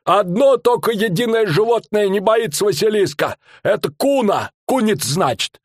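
A man voicing a loud, boastful middle-aged male fairground barker with rustic old-fashioned speech and drawn-out showman's patter. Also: high-pitched, expressive, no room sound, studio quality, voice pushed up.

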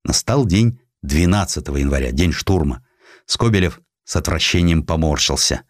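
A man reading a historical essay as an audiobook narrator, in an expressive, measured literary manner with distinct pauses. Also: very deep voice, dry recording, clean studio sound.

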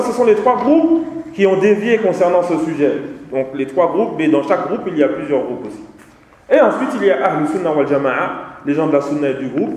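Man, high-pitched, emphatic lecturer, repetitive teaching, echoey hall. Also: darkish tone. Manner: emphatic, repeats phrases for students. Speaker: Islamic teacher. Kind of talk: seminar lecture.

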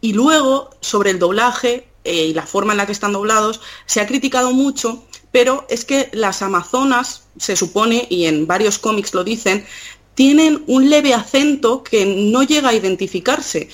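A woman guest on a podcast chatting casually about comics, pausing often with fillers. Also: fairly high pitch, animated. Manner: thoughtful, hesitant with many fillers.

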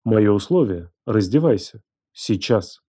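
Man doing cold bossy guy, slow and deliberate, mellow low voice. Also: expressive, slightly rough. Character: cold, domineering young man, the narrator himself.

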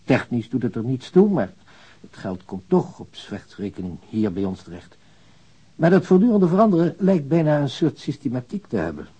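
Mellow, husky, precise bank official. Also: male voice, mid-range voice, very animated, normal speed. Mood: precise, businesslike. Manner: formal, explanatory. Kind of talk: radio drama dialogue.

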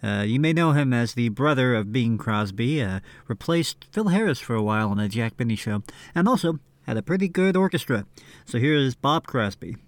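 Man, radio presenter, casual style, average pitch, no room echo. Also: animated, normal speed. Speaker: radio show host. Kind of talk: casual presenting of old recordings.

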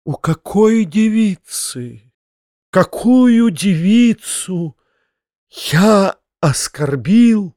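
A man voicing a feverish, self-pitying man who declaims in slow wails and shouted questions, in an audiobook. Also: fairly high pitch, lively intonation, no room sound, clean studio sound, voice pushed up. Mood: bewildered. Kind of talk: audiobook character reading.

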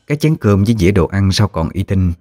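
A man narrating a ghost story in a measured, hushed way. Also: deep voice, lively intonation, no room sound, soft background music.

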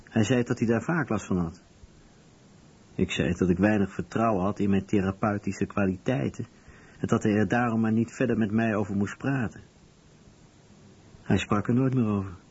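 A man's voice: fairly low pitch, moderate pace, long pauses, a little mellow, husky. A man reading translated testimony as a scripted documentary voice-over. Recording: dull lo-fi radio recording.

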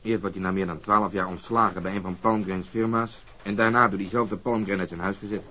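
Blunt, low-voiced police detective. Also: male voice, fairly even intonation, a little fast, sharp tone, a little hiss or hum. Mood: convinced, indignant. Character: blunt, convinced male police detective reasoning out a motive. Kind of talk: naturalistic radio drama dialogue.

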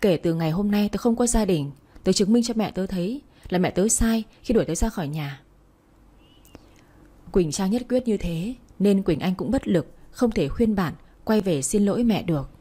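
Woman, first-person story narration, mellow tone, husky, plain storytelling. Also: medium pitch, animated, normal speed.

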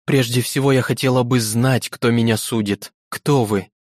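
A man's voice: medium pitch, fairly even intonation, moderate pace, dry recording, studio quality, close to an everyday voice. A man voicing a proud, defiant young woman on trial, speaking with indignant passion in a storybook reading.

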